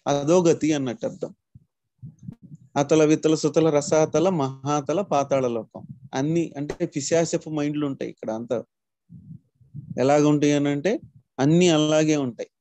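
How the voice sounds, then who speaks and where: Male spiritual teacher, slightly high voice, dry close sound, explanatory. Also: moderate pace, warm tone, no room sound. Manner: explanatory, addresses listeners as masters. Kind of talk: spiritual class talk.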